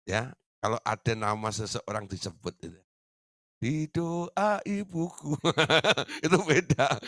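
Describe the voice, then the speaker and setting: A male pastor preaching a sermon in a lively, joking way, acting out the reactions of people he describes. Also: mid-range voice, no echo, clean studio sound. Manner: lively, jokes and acts out quoted reactions.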